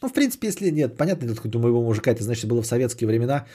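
A man's voice: medium pitch, sing-song, racing, warm tone, slightly rough. A man hosting a podcast, chatting casually and sardonically as he answers audience messages, often swearing and repeating phrases. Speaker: podcast host.

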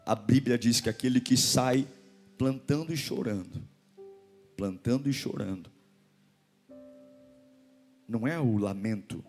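A male pastor preaching a sermon, moving between hushed pleading and loud, fervent exhortation. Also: mid-range voice.

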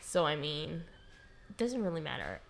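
A woman's voice: low-pitched, very animated, normal speed, vocal fry, slight background noise. A young woman from Hawaii in a candid, casual group chat, laughing often as she talks.

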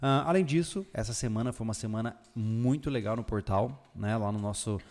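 A man hosting a casual podcast, relaxed and joking, recorded in a bare new house whose room still echoes. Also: lowish voice, fairly quick. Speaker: podcast host. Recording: long echo from a bare room.

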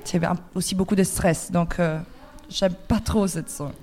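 Laughing woman, lowish voice. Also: a little slow. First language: Italian. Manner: lively, laughs often, searches for words. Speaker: staff member at a youth shelter. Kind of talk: casual radio interview.

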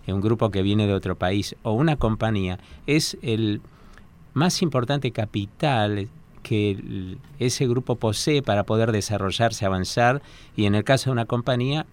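A man explaining his coaching work as a radio guest in a studio, measured and explanatory. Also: fairly low pitch. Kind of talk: radio interview.

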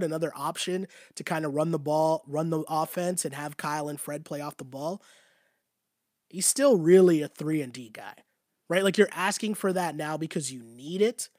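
A man's voice: fairly high pitch, darkish tone, no echo, clean studio sound. A man losing his voice, hosting a casual basketball talk show and answering his live chat in a chatty way, often tagging his points with "right?". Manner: conversational, repetitive, often asks "right?".

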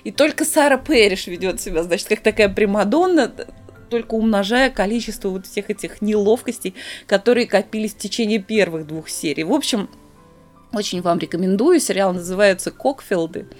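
A woman's voice: mid-range voice, brisk, faint music behind. A woman co-hosting a podcast, chatting casually and telling stories with acted-out quotes. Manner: lively storyteller, acts out quotes. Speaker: podcast co-host. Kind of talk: casual podcast chat, recommending a series.

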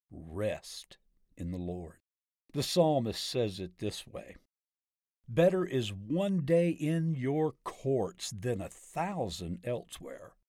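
A man reading a scripted Christian devotional like an audiobook narrator, in a measured, deliberate way with emphatic phrasing. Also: mid-range voice, darkish tone, dry recording, studio quality.

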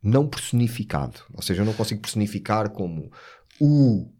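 A man with a European Portuguese accent talking casually, in a halting, reflective and slangy way. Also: on the low side, expressive, dark tone. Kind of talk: casual conversation.

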